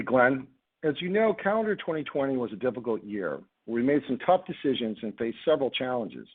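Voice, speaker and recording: A man's voice: mid-range voice, breathy edge, phone-quality sound. A man delivering scripted remarks on an earnings call as a company executive, formal and businesslike. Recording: thin phone conference line.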